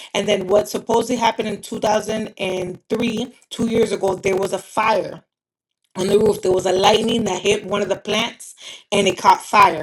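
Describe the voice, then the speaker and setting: A woman with a Spanish accent, medium pitch and monotone, flat intonation at a moderate pace, with music in the background. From Dominican Republic. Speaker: podcast host. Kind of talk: casual chat. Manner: halting.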